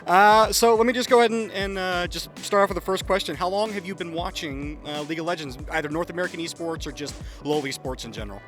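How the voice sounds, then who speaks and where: A young man hosting a casual street interview outdoors at an event entrance, asking fans quick questions. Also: high-pitched, a bit bright, faint music behind. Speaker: host, interviewer.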